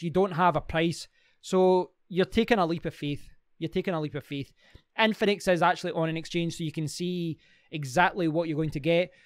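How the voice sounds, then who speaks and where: Man, casual screen-share host, rambling, fillers, slightly high voice, dry close mic. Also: clean tone, no room sound. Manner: chatty, rambling, many fillers and restarts. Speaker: crypto mining channel host.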